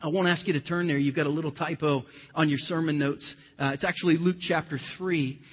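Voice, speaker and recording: Blending scripture quotes with personal anecdotes told conversationally, a pastor from Ohio delivers a church sermon in a fairly high, slightly rough voice. His intonation is fairly even and his pace brisk, on a dull, lo-fi recording with long hall reverb.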